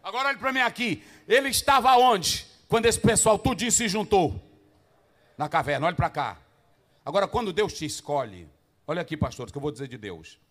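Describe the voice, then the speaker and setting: A man preaching in a high, bright voice. His delivery is highly animated, leaping from shouted lines to quiet asides. He keeps asking the congregation rhetorical questions. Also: moderate pace. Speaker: pastor. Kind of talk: Pentecostal-style preaching to pastors.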